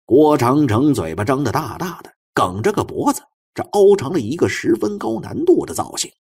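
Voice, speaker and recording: A man's voice: mid-range voice, very animated, normal speed, creaky, a little mellow, slightly rough, no echo, studio quality. A man giving a theatrical, suspenseful dramatic narration of a novel as an audiobook narrator.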